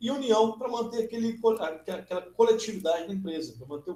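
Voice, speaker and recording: A man's dark, mellow tone at a moderate pace, with audible room echo. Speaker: teacher. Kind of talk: lecture. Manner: halting.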